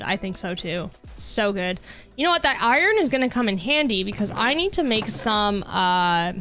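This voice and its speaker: Young woman game streamer, animated and talkative, voice a bit worn, light music underneath. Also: medium pitch. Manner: bubbly, chatty with viewers, excited outbursts. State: losing her voice. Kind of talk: casual gaming livestream chat. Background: soft background music.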